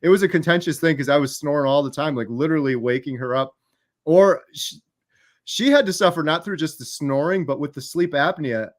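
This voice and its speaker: A man hosting a livestream, telling stories in an animated, fast-moving way. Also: on the high side. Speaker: host. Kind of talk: casual livestream chat.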